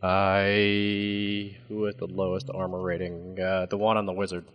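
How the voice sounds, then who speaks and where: A man's voice: low-pitched, monotone, a little slow, muffled recording. A man playing in a tabletop game, hesitant and thinking aloud over his choices. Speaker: player. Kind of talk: casual tabletop play.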